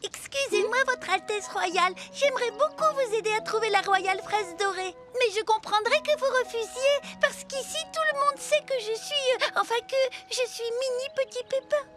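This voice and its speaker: A very high, tiny voice for a shy little cartoon creature who is eager to please. It stammers and apologises with great deference, over prominent music. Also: female voice, normal speed, hardly any pauses. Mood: shy, apologetic. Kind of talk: children's cartoon dub.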